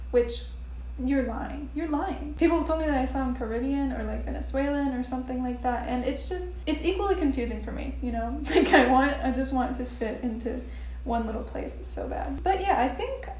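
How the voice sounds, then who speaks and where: High-voiced chatty young woman. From Florida, United States. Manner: chatty and expressive, playful asides. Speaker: language-learning vlogger. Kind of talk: casual chat to camera. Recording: roomy echo with faint background noise.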